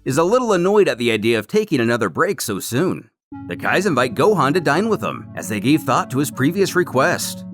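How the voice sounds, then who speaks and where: A man's voice: medium pitch, a bit bright. A man narrating a scripted story recap as the storyteller. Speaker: narrator recapping a comic series.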